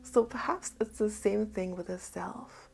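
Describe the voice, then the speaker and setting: Woman, spiritual teacher, soft half-whisper, very slow, creaky. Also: mid-range voice, slight background noise. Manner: calm and unhurried. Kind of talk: gentle spiritual talk.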